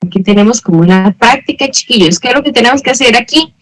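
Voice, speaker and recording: A woman's voice: a little high, expressive, quick pace, slight background noise, rough recording. A woman teaching an English lesson online, explaining patiently, checking in with her students and correcting herself as she goes. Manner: corrects herself mid-sentence.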